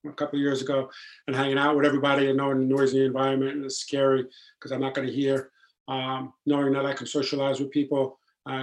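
A man with a deep voice talks as a podcast guest. His delivery is earnest and steady, with little rise and fall and frequent ums and restarts. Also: rough recording. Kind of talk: casual podcast conversation.

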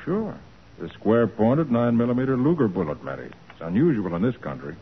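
Unflappable detective, muffled old radio. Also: male voice, medium pitch, sing-song, fairly quick, husky. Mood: businesslike. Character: brisk, unflappable male master detective. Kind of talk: 1940s radio drama acting. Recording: muffled, narrow-band old radio recording.

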